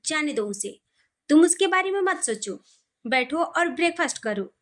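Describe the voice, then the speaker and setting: A woman's voice: high-pitched, animated, normal speed. A woman reading the part of a playful, boyish young husband who sulks a little. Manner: sulky, boyish.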